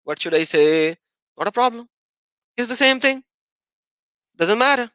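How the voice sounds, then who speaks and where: A man's voice: very high-pitched, lively intonation, unhurried, pushed and bright, smooth, dry recording, dull audio. A man whose native language is Urdu, hosting a heated livestream debate and reading out viewer donations, combative and insistently repeating his point.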